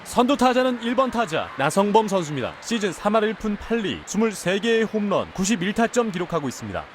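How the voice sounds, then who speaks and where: High-pitched, animated baseball game caster. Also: male voice, fast, a little hiss or hum. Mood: measured. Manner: crisp announcing, shouted calls on plays. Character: excitable male baseball play-by-play caster in a video game. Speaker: baseball play-by-play commentator. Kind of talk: scripted sports game commentary.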